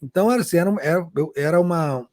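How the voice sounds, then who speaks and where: A man's voice: a little high, racing, darkish tone, no room sound. A Brazilian man, a journalist answering interview questions passionately, often restarting and repeating words. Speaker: journalist guest.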